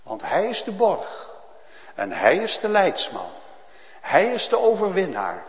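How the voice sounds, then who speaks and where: Slow, lively-voiced preacher in a church. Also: male voice, high-pitched. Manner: solemn preaching, rising to loud emphatic calls. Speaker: pastor. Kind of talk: sermon. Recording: long church reverb.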